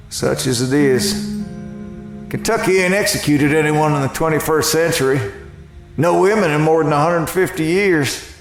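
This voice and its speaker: A sardonic prison officer played by a man drawls folksy lines in a gravelly, fairly high voice. The sound is heavily echoing, as in a horror radio play set on death row. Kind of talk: audio horror drama acting. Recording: very echoey hall with music behind.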